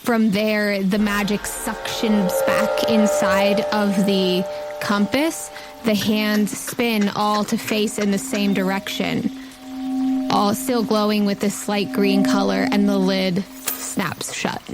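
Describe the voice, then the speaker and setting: A woman's voice: medium pitch, little pitch movement, slow. A woman, hosting and narrating a tabletop game as game master. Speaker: game master and podcast host. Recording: loud music under the voice. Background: music.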